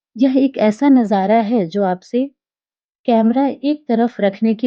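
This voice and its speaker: A soft-spoken woman with a fairly high pitch and lively intonation, music playing in the background. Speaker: travel vlogger. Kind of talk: scripted narration. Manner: slow.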